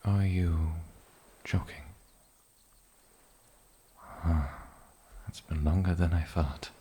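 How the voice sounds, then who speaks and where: An eccentric, age-old island demon, acted by a man speaks in an extremely deep, gravelly murmur. He takes his time, musing and coaxing with old-fashioned politeness. It is a soft-spoken fantasy ASMR roleplay with faint ambient noise behind the voice. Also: fairly even intonation, very slow. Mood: curious, musing. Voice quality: soft, breathy low voice with gravelly creak. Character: eccentric, lonely, ancient male island demon.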